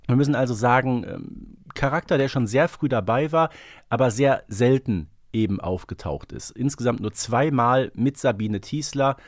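Casting: male podcast co-host, mid-range voice, thinking aloud in relaxed fan discussion, no room echo. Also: medium pitch, clean studio sound. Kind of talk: casual fan discussion, analytical chat.

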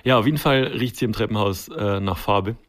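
A man co-hosting a podcast, relaxed and joking as he tells an anecdote in casual chat. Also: lowish voice, a little fast.

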